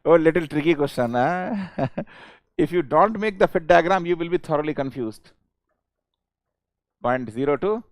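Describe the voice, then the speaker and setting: Male online lecturer, South Indian accent, high clear voice, dry sound, insistent repetition, informal classroom coaxing. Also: expressive, measured pace, long pauses, dry recording. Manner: repeats questions and phrases insistently; chuckling, informal, coaxing students. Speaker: teacher of an online engineering class. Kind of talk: live interactive exam-prep lecture.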